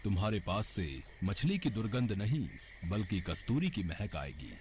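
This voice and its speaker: A man's voice: on the low side, very animated, normal speed, darkish tone, a little hiss or hum. A man playing a revered Hindu sage in a devotional storybook, formal, solemn and persuasive. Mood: assuring. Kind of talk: dramatized devotional storybook acting.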